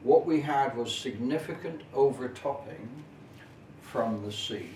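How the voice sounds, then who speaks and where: A middle-aged or older man giving an informal, detailed explanatory talk as a local history presenter, in measured, formal phrasing with hesitant pauses. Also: mid-range voice, warm tone. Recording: echoey, noisy room, distant camera microphone.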